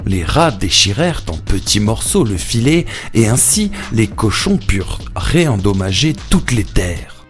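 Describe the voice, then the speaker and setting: A man's voice: lowish voice, sing-song, unhurried, hardly any pauses. A man narrating a children's cartoon fable as a scripted storyteller. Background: background music.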